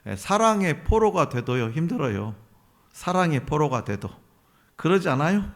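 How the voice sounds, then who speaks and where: Animated high-voiced male pastor preaching. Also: normal speed. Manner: emphatic, asks the congregation questions and answers them. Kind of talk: sermon. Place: church sanctuary.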